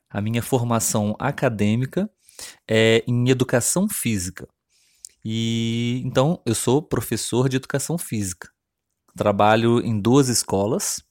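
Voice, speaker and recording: A man's voice: medium pitch, darkish tone, no echo, clean studio sound. Friendly man in his thirties. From Brazil, Rio de Janeiro state. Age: 30s. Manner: clear, friendly, unhurried delivery for language learners. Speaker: podcast host. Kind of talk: scripted solo podcast monologue.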